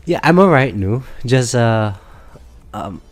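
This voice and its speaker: A man's voice: mid-range voice, takes it slowly. A man with a cold and a stuffed-up nose, sounding nasal as he chats casually on a live game stream, hesitating and correcting himself often. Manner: relaxed, hesitant with many fillers and self-corrections. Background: faint background music.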